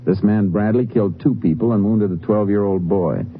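Man playing firm Texas lawman, low voice, understated, clipped, old radio drama, dull vintage recording. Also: normal speed, slight background noise, lightly acted. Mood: stern, probing. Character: laconic, methodical Texas Ranger lawman, terse and firm. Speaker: lead actor and narrator. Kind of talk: 1950s radio western crime drama acting.

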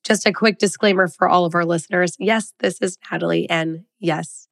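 Sick, hoarse woman with a low voice. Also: steady tone, moderate pace, no room sound, studio quality. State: sick and losing her voice. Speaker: podcast co-host. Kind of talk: scripted true crime intro.

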